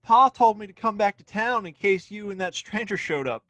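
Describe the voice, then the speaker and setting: A cocky young frontier lawman, played by a man, pitched high for a male voice. He taunts in folksy Western talk with a bright, forceful edge, recorded close and dry. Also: lively intonation, normal speed, no room sound. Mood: taunting. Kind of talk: audio play Western acting.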